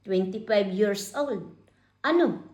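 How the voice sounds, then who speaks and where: A woman's voice: mid-range voice, lively intonation, slow, darkish tone, roomy sound. A woman hosting online commentary, calling out a critic with pointed repeated questions. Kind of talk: confrontational live commentary.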